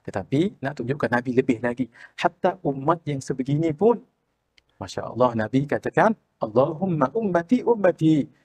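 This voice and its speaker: Husky Malaysian man preaching a sermon. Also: mid-range voice, expressive, moderate pace. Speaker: religious teacher. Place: mosque prayer hall.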